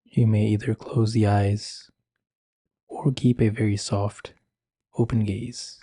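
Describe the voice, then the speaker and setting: A man speaking slowly and gently with long pauses, guiding a meditation in a soft, breathy voice. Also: on the low side, little pitch movement, dry recording, studio quality. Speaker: meditation guide. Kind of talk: guided meditation.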